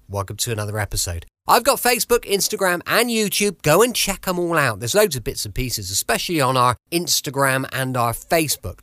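Man from England, podcast host, chatty, upbeat, lively pitch, dry sound. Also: dry recording. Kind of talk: casual podcast introduction. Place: home studio.

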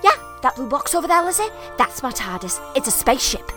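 A woman playing an excitable, playful time-travelling leader in a dramatised story, chatty and eager. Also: sits high, a little fast, over music. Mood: brisk, playful.

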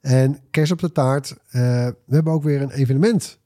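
A man co-hosting a podcast in casual chat, halting and repeating words as he goes. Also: fairly high pitch, mellow. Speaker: podcast co-host.

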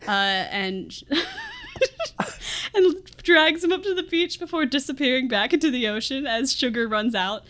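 A woman's voice: high-pitched, huge pitch swings, unhurried, a bit bright. Giggly woman recapping a movie. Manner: giggly, laughs often while talking. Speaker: film podcast host. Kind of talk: casual scene-by-scene movie recap chat.

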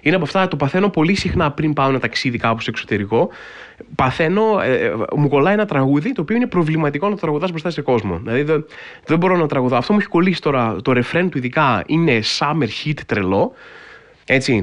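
A man hosts a casual podcast, spinning a story with wry disbelief. His voice sits a bit high for a man and swings widely up and down as he gets carried away. He peppers his talk with fillers and loose asides. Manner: animated storytelling with frequent filler phrases; wry, incredulous humor. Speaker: podcast host.

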